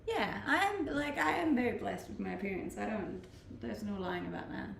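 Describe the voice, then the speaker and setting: A woman's voice: medium pitch, animated, moderate pace, gravelly, a bit bright, reverberant, slight background noise. A woman from Denmark with a Danish accent, chatting casually on a live stream as she reads out viewer comments and answers them, laughing often. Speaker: Twitch streamer.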